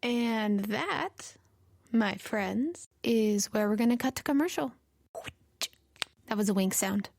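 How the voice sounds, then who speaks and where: A woman's voice: a little high, lively intonation, slow, vocal fry, pauses often, a little mellow, no room sound. A woman presenting as podcast host and game master, reading narration and promos in a friendly way. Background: prominent music.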